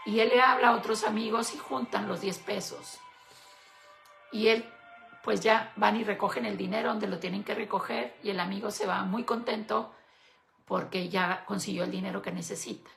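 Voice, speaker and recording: A woman co-hosting a Christian talk show, retelling a fable in an unhurried, storytelling way. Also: medium pitch, steady tone, vocal fry, fairly bright tone, soft background music. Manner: unhurried storyteller, slows for emphasis.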